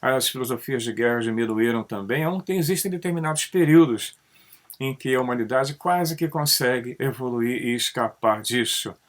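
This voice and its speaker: A man from Brazil, talking through ideas in a casual monologue, tagging sentences with a questioning "né" and swinging his pitch up and down. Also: normal speed. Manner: conversational, tags sentences with "né?"; animated, pitch rising and dropping often. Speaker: channel host.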